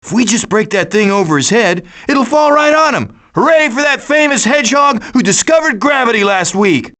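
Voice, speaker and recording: RJ, a high-pitched wisecracking cartoon raccoon. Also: male voice, animated, moderate pace, bright, forceful tone, heavily acted. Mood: cocky, quipping. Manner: glib, sarcastic, cocky quipping. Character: wisecracking, scheming cartoon raccoon leader of a food-thieving gang. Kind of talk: animated video game voice acting.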